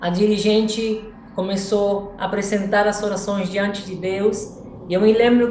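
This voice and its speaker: A woman speaks with a fairly high pitch. Audible room echo and noticeable background noise are present. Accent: Spanish. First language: Spanish (speaking Portuguese). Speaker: church member giving testimony. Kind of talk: testimony. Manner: halting.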